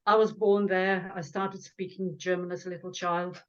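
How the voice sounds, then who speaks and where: An older woman from Lithuania, whose first language is Lithuanian, speaks as an author and guest, explaining things earnestly in conversation with an occasional wry aside. Her voice is fairly low and level at a normal speed, and the audio is dull.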